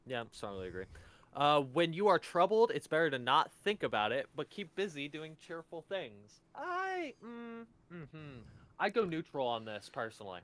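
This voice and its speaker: A man's voice: fairly high pitch, wildly swooping pitch, normal speed, a bit bright, no echo. A young man in a casual, joking, profane podcast chat, reading quiz statements aloud and riffing on them. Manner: laid-back, profane, joking. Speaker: podcast co-host.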